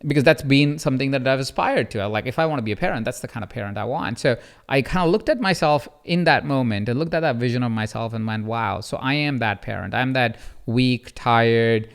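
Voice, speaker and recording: Podcast host, man in his thirties, smooth resonant voice, lively storyteller. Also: quick pace, few pauses. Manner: animated, acts out quotes with rising pitch. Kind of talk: conversational storytelling.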